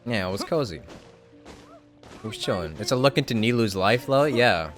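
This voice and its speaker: A man's voice: mid-range voice, lively intonation, measured pace, soft background music. A young man casually commenting on a game story during a live stream, rambling with hedges and the odd swear word.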